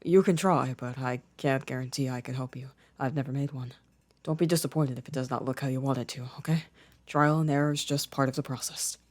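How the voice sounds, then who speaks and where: A young man playing a gentle, shy, affectionate boyfriend in an ASMR roleplay, speaking softly and hesitantly with careful phrasing. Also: mid-range voice, steady tone, brisk, no room sound, natural voice. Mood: gentle, attentive.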